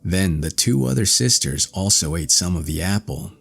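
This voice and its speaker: A man's voice: low voice, lively intonation, moderate pace, gravelly, a bit bright, husky, soft background music. A man reading a fairy tale as an audiobook narrator, in a scripted storytelling style.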